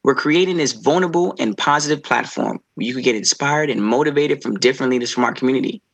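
A man's voice: medium pitch, fast. A man hosting an interview podcast, asking questions in an encouraging, casual way with frequent affirming murmurs. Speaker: podcast host.

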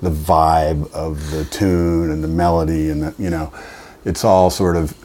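A man with a notably deep, low voice talks in an easygoing, unhurried way. His sentences drift and trail off, peppered with "you know", as he chats as a guest. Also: little pitch movement, warm tone. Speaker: guest musician. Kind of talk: casual conversation.

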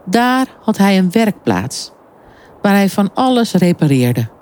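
A woman reading a children's story aloud in a calm, unhurried storytelling manner. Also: mid-range voice. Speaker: story reader.

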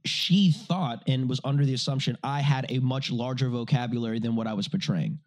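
Profane, animated podcast man. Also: mid-range voice, brisk. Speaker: podcast co-host. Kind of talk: casual chat.

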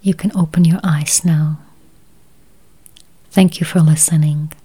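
Speaking in a breathy, soft near-whisper, a low-voiced woman leads a guided meditation with slow, deliberate, soothing phrasing that stays calm throughout.

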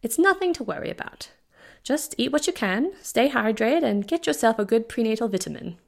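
A woman voicing a brisk, wry older woman doctor with a British accent and a dry, teasing manner. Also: on the high side, animated, creaky, voice pushed up.

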